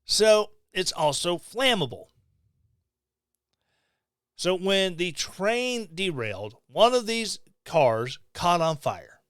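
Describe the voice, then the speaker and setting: Middle-aged guy ranting on his podcast, sarcastic, smooth voice, dry close mic at home. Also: high voice, sing-song, slow pace, a bit bright, no room sound. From Missouri, USA. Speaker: podcast host. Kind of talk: opinion commentary. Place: small home room. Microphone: studio mic on stand, close.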